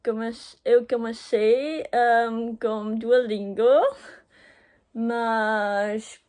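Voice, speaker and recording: A young woman with a German accent speaks slowly in halting beginner sentences, with frequent pauses, fillers and self-corrections, and laughs often. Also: fairly high pitch, little pitch movement, a little mellow, smooth. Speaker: language learner. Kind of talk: unscripted video message to her boyfriend.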